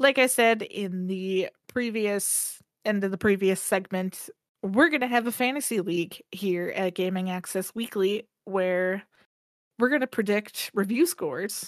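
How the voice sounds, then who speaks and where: In a normal speaking voice, a woman speaks at medium pitch and a fairly slow pace, with ordinary pitch variation and a dry, close sound with no echo. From upper Midwest US. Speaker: gaming podcast host. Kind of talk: casual chat.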